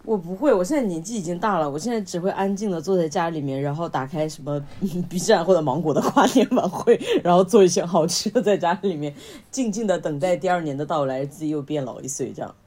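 A woman co-hosting a casual podcast chat, cracking jokes and throwing in quick teasing asides. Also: on the low side, a little mellow. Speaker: podcast co-host.

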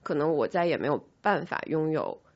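Fast-talking woman in candid podcast chat. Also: deep voice, expressive. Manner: candid, self-critical. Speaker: podcast host, company boss. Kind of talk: casual panel chat. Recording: dull, band-limited sound.

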